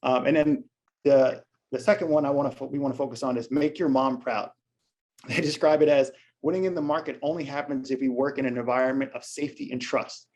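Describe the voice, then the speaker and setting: A man's voice: mid-range voice, steady tone, a little fast, darkish tone. A man presenting in a webinar, talking casually in a playful, self-mocking way.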